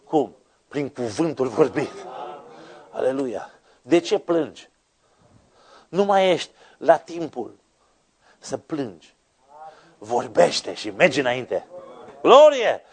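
A man preaching a fervent sermon, dropping to low quiet words and then climbing to high, ringing exclamations. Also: lively intonation, long pauses. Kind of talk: Pentecostal sermon.

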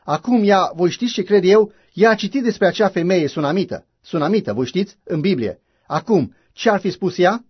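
Fervent husky-voiced male preacher. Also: high-pitched, animated, dry recording. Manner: fervent, emphatic preaching with exclamations. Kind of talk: sermon. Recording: dull lo-fi recording.

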